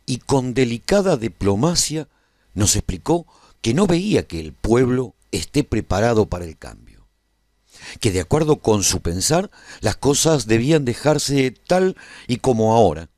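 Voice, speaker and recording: As the narrator of a radio serial, a man earnestly and reflectively tells his own story of life at a royal court, in a measured, solemn, dramatic delivery. His voice is mid-range and darkish, recorded at studio quality with no echo.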